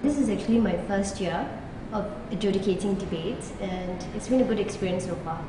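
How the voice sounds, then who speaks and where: Soft-spoken woman from Singapore, noisy hall. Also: medium pitch, brisk. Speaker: debate adjudicator. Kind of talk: casual interview answers. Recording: echoey hall, noisy, mic at a distance.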